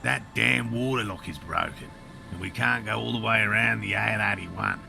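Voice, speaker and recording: An actor voicing a patient, diligent middle-aged cryptozoologist in a video game, dry and a little sarcastic. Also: male voice, lowish voice, moderate pace, gravelly, music in the background.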